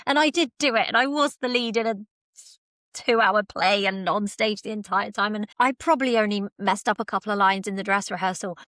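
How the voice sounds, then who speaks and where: Middle-aged woman, podcast host, mid-range pitch, enthusiastic, casual interviewing, dry sound. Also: fairly quick, fairly bright tone, no room sound.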